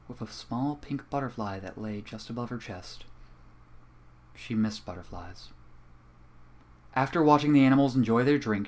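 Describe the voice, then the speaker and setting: A young man reading a fan story aloud in a calm, even way at a home microphone. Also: mid-range voice. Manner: casual and profane in the intro, then calm and even while reading. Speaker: fanfiction reader. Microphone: home computer microphone.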